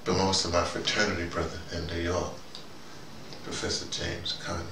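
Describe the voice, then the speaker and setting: A man giving a rambling, informal monologue as host, halting and digressive, often falling back on "you know". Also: low voice, completely flat delivery. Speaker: host of a spoken dispatch series. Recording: roomy, noisy, distant microphone.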